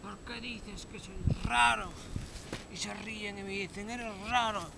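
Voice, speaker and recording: A man's voice: fairly high pitch, a little slow, gravelly, background noise. A man from playing a paranoid, misunderstood oddball who rambles and repeats his questions with self-pity. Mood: hurt.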